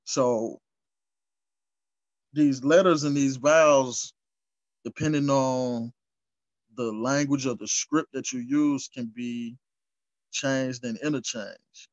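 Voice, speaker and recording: A man hosting a history channel, reading source texts aloud and explaining them, slow and deliberate, stumbling over long words and adding casual asides. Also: mid-range voice, fairly even intonation, dry recording. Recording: dull lo-fi recording.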